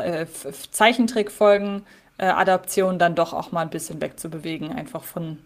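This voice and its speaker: A woman co-hosting a casual podcast, thinking out loud. She hesitates often, restarting phrases and filling pauses as she weighs her views. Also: medium pitch. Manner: thoughtful, hesitant with many fillers. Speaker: podcast co-host.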